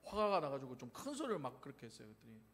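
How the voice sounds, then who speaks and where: A middle-aged man, a pastor, preaching a sermon and telling a family story, acting out quoted lines with shouts and laughs. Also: mid-range voice, huge pitch swings, rapid-fire. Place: church sanctuary. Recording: long church hall reverb.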